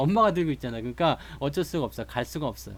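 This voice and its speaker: In a very clean recording with a silent background, a man talks very fast at a fairly high pitch with very wide pitch swings. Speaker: stock market analyst streamer. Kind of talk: live stream chart analysis. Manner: casual, conversational.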